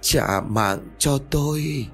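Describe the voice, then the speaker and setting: A man voicing the vengeful ghost of a dead child, speaking in a slow, hollow, accusing way. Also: medium pitch, a bit bright, faint music behind, voice pushed up. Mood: eerie accusing.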